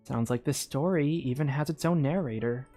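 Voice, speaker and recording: Casual excitable game streamer; chatty commentary, steady middle pitch. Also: normal speed, soft background music. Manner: excitable, chatty, reads game text aloud.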